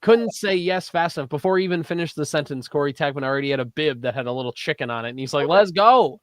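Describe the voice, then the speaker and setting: A man's voice: on the high side, very fast, clean tone, dry recording. A man co-hosting a local morning sports radio show, teasing his partner in casual banter. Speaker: co-host. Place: radio studio.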